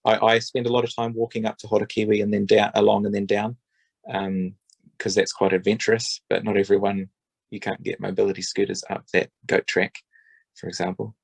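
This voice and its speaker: A man's voice: on the low side, flat delivery, a little fast, vocal fry, breathy edge, no echo. A man giving a rambling, hesitant spoken submission at a public forum, with many ums and restarts. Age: adult parent.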